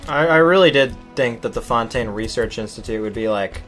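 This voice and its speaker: A woman's voice: a bass voice, animated, brisk, soft background music. A woman streaming a game with casual, blunt, wry live commentary.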